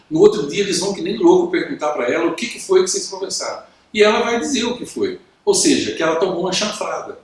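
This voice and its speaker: A Brazilian man coaching business owners to camera, talking calmly and acting out both sides of workplace conversations. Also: a little high, far from the mic. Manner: acts out both sides of dialogues; calm, even tone. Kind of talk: instructional talk to camera. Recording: very echoey room.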